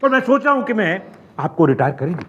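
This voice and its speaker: An actor playing a sly senior police officer who teases with a drawl in a TV sitcom. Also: male voice, sits high, very animated, fast talker, a bit bright, highs cut off, slight background noise. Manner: drawling, teasing. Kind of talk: TV sitcom acting.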